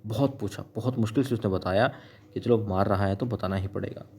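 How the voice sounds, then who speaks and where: A man's voice: on the low side, brisk, a little mellow, slight background noise. A man narrating a recap of a TV serial episode in a chatty storytelling way. He talks straight to viewers as friends. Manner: chatty, addresses viewers as friends, repeats "yes indeed".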